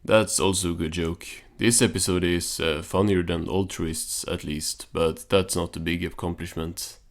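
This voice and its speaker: A man's voice: low-pitched, fairly even intonation, moderate pace. A man recapping a cartoon as host, in a casual, understated, offhand way.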